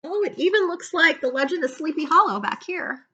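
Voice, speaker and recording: A middle-aged woman reading a children's picture book aloud with expressive, dramatic storytelling and chatty asides. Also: very high voice, fairly quick, dull audio. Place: living room couch, indoors.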